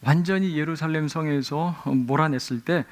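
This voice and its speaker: Animated Korean pastor, fairly high voice. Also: male voice, moderate pace. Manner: animated storytelling with acted-out exclamations. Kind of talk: sermon. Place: church sanctuary.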